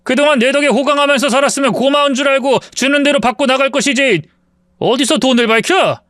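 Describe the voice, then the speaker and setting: A man's voice: very high voice, fast, fairly bright tone, no room sound, clean studio sound, pitched above the performer's own voice. A man playing an arrogant husband who sneers and hurls insults. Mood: contemptuous. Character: arrogant, contemptuous husband in his prime.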